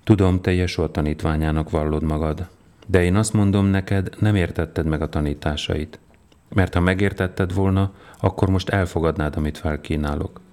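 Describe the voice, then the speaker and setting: A man voicing a stern, powerful older Roman governor in a storybook reading, with a measured, commanding manner. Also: sits low, fairly even intonation, a little mellow.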